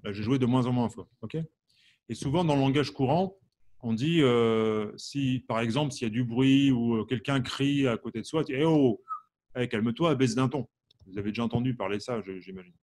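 Slight background noise sits under this brisk, darkish mid-range male voice. He's from Champagne, France, and leads a live online harmonica class in a relaxed, chatty manner, asking viewers questions, answering them by name and using many fillers.

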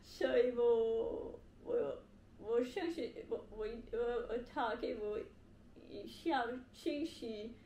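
A young woman who is learning Mandarin vlogs casually to camera from a sofa in a living room with a bare wall, speaking haltingly with a foreign accent as she searches for words. Her voice sits a little high with a dark tone. The room is echoey and there is a faint background hiss.

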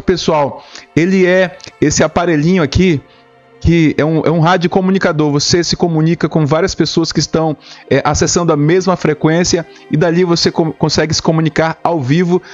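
A man's voice: fairly high pitch, highs cut off. A man in his thirties with a Brazilian accent giving informal, explanatory news commentary straight to his viewers. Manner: explanatory, addressing viewers directly. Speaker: host of a news commentary video channel. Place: small indoor home studio with shelves. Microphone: close desktop condenser microphone. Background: background music.

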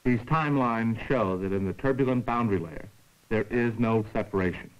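A man giving formal, measured scripted narration for an educational science film, explaining carefully like a lecturer. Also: on the low side, muffled recording.

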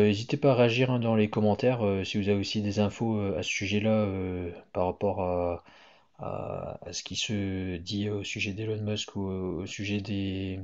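A man's voice: lowish voice, mellow. A man talking casually over a screen recording, hesitant, with many fillers and restarts. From Hong Kong. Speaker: YouTuber commenting on Tesla news. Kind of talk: casual screen-share commentary. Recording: muffled lo-fi voice-over.

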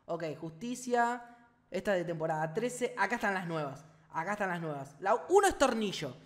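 Excitable young Rioplatense man gaming. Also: high voice, normal speed. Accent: Rioplatense Spanish. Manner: excitable, slangy, talks to viewers. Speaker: gaming youtuber. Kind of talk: casual gameplay commentary.

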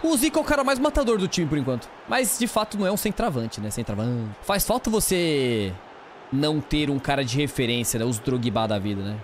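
A man with a Brazilian Portuguese accent doing live gameplay commentary for a football video game. He yells at his players and talks in casual slang. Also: mid-range voice, a little fast, slight background noise. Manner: excitable, shouts at players, slangy banter. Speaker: gaming streamer.

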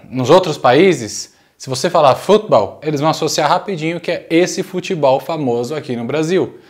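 A man with a Brazilian Portuguese accent, teaching an English lesson in a casual, playful way and drilling phrases slowly at a whiteboard. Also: fairly high pitch.

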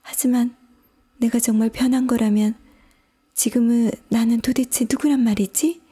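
A woman voicing a curious, puzzled little girl, whispered role-play with a breathy whisper and a bewildered, questioning way of talking to herself. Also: a little high, steady tone, normal speed, dark tone, pitched above the performer's own voice.

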